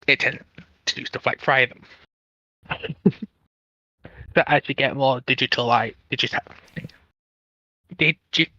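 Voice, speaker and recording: A man in a casual technical discussion as a panel guest, speaking haltingly as he searches for words. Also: mid-range voice, steady tone, pushed and bright, dry recording, highs cut off.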